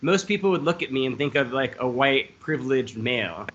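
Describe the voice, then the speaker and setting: A man's voice: medium pitch, expressive, a little fast, fairly bright tone. A man moderating a panel in an enthusiastic, conversational way, often checking in with "right?"; English is his second language. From Lebanese immigrant family. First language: not English. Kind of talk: casual panel discussion. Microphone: video call. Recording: muffled lo-fi video call audio.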